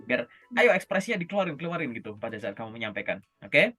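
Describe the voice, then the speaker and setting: A man coaching job interview skills in a casual, lively session over a video call, often checking in with his listener. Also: mid-range voice, fast talker. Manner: lively, chatty, often checks in with "oke?" and "gitu".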